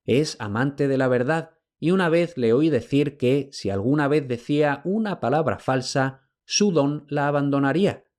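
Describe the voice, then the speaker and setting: A man's voice: medium pitch, moderate pace, hardly any pauses, darkish tone, pitched above the performer's own voice, lightly acted. A man voicing a queen in hiding who speaks with urgency and pleads with her husband. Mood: urgent.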